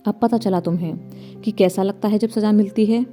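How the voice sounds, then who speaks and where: Woman doing a spirited girl who teases, warm mellow voice, story read with quiet music. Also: mid-range voice, fairly even intonation, fairly quick, close to an everyday voice. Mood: teasing. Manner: teasing, playful. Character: teasing, spirited young woman. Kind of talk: storybook narration.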